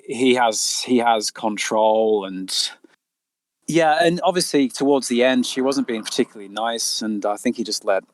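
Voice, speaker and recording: A man's voice: lowish voice, no room sound. A man, an author chatting casually as a podcast guest. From Australia. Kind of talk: casual interview chat. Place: quiet spot by the water.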